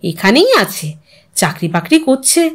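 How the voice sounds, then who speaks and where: A woman's voice: mid-range voice, sing-song, unhurried. A woman reading a story, voicing a resigned, confiding elderly widow who muses wistfully. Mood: matter-of-fact. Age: older. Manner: wistful, confiding, musing to herself. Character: Bithi, weary resigned elderly widow in old age home.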